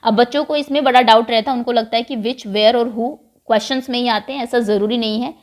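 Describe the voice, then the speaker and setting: A woman's voice: a little high, fairly even intonation, fairly quick. A woman teaching an English worksheet, switching between Hindi and English phrases and explaining patiently.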